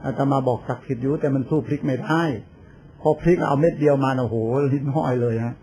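A medium-pitched, warm male voice with vocal fry moves at a quick pace over slight background noise. He's an older monk from Thailand giving an informal talk, chatting through stories, laughing, and impersonating the people he quotes.

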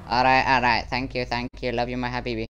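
A man's voice: mid-range voice, little pitch movement, fast, a bit bright, highs cut off, natural voice. A man role-playing a brash, hot-tempered Arab driver in an online game, with an Arabic accent and a foul-mouthed, confrontational manner. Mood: cheeky. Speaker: gamer. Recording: noisy game audio with vehicle sounds.

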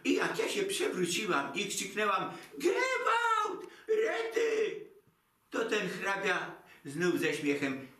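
A man's voice: high voice, a little slow, bright, forceful tone. An actor playing a fretful, theatrical elderly Jewish mother who speaks Polish with a Yiddish inflection, lamenting in a singsong voice. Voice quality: singsong lamenting, broken grammar. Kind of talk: comic stage monologue. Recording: roomy, distant mic.

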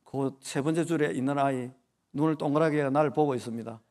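A man's voice: mid-range voice, brisk, a little mellow. A man in his forties with a Gyeongsang accent, preaching a sermon in a church and joking with the children in the pews. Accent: Gyeongsang Korean. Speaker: pastor. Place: church sanctuary during worship.

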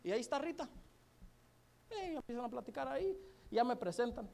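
A man's voice: very high-pitched, animated, a little fast, gravelly, a little mellow. A man telling a humorous success story to a live audience in a colloquial, chatty way. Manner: joking, colloquial, chatty with many asides to the audience. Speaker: motivational speaker at a business event.

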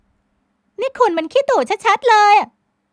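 A woman voicing a young heroine in an audiobook, speaking high and shrill in a snappy, quarrelsome way. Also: animated, slow pace, no room sound, studio quality, heavily acted. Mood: indignant. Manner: high-pitched indignant snapping.

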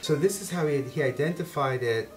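A man's voice: on the high side, brisk. A middle-aged man hosting a casual, conversational interview with curious questions and remarks. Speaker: host and interviewer. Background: music.

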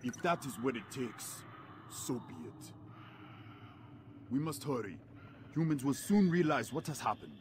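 An actor playing a grave, determined alien tribal warrior who speaks terse, formal, stilted English in a video game. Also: male voice, mid-range voice, animated, measured pace, pauses often, noisy background, natural voice. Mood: grave, resolved. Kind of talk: video game dialogue acting.

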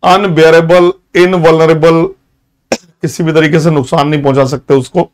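A man teaching English vocabulary in a live online class, moving between Hindi and English. He reads English examples slowly and praises students by name. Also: a little high, flat delivery, a little hiss or hum. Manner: switches between Hindi and English, with slow, drawn-out English example sentences; praises students by name and urges them to take notes.

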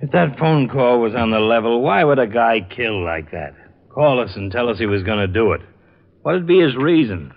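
An actor playing an earnest police lieutenant in an old radio drama, plain-spoken and matter-of-fact. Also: male voice, mid-range voice, lively intonation, normal speed, natural voice. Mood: tired. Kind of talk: 1950s radio drama acting. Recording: muffled old radio recording.

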